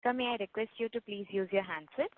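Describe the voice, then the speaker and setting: A woman's voice: mid-range voice, quick pace. A woman moderating a conference call in a polite, formal, scripted way. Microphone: phone conference line. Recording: thin narrow phone line.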